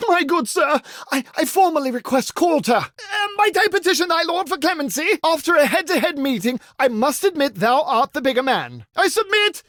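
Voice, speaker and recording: Game casting: a flamboyant, pompous knight, high-voiced and florid, recorded close and dry. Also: sing-song, normal speed, hardly any pauses, a bit bright, no echo. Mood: grovelling, pleading. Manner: pompous, florid, exaggeratedly courtly. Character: pompous, foppish knight impostor, flamboyant medieval soldier. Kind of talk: theatrical video game voice lines in mock-archaic English.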